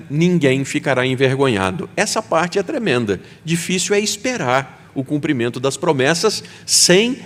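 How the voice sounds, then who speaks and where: A man with a Brazilian Portuguese accent, preaching a sermon as pastor and acting out quoted voices. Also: a little high. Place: church sanctuary. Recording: long hall reverb.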